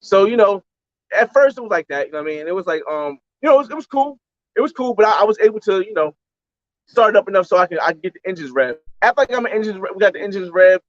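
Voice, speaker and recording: A man's voice: sits high, lively intonation, fast talker, dry recording, highs cut off. A man from the United States, a travel vlogger, telling a story in a rambling, slangy way on a livestream and repeating his phrases.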